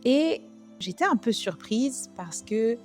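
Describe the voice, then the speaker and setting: French woman, true crime host, chatty storyteller, mellow voice, faint music behind. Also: a little high, lively intonation, takes it slowly. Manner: chatty, conversational, with asides. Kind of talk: casual storytelling narration.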